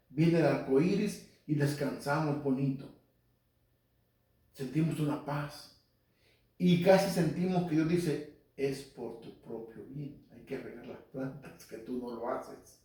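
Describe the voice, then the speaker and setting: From far off in a very echoey hall, a lay Catholic preacher teaches the Bible in Spanish to a congregation, quoting scripture and addressing listeners by name. His voice is mid-range and dark.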